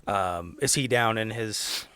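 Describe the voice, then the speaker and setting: A man's voice: on the low side, slow pace, sharp tone, clear, resonant tone, no room sound. A man talking casually as a player in a tabletop role-playing game, slipping in and out of character. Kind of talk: casual table talk, hesitant in-character roleplay. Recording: background music behind the voice.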